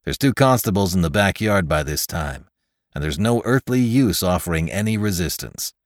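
A man's voice: sits low, expressive, moderate pace, no room sound, clean studio sound. A man voicing a stern, impatient young male constable with a curt, official manner.

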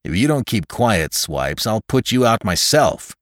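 A man's voice: fairly low pitch, big pitch swings, measured pace, no room sound. A man voicing a stern, impatient young male constable with a curt, official manner.

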